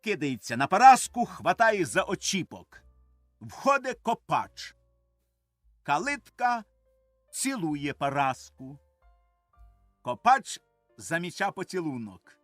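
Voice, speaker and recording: Bright-voiced man reading stage directions. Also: a little high, sing-song, takes it slowly, pauses often, no echo, faint music behind. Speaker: audiobook reader.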